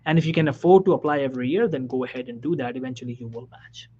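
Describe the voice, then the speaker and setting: A man, a physician, giving career advice in a motivational talk, emphatic and repetitive, dropping now and then to a soft whisper. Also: mid-range voice, steady tone, racing, husky. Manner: emphatic, repeats key phrases, drops suddenly to soft whispers. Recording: dull lo-fi recording.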